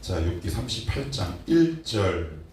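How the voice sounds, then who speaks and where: A male pastor preaching a sermon, asking his congregation rhetorical questions and swinging between loud and soft. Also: low-pitched, very animated, unhurried. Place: church sanctuary. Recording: very echoey hall, distant mic, faint noise.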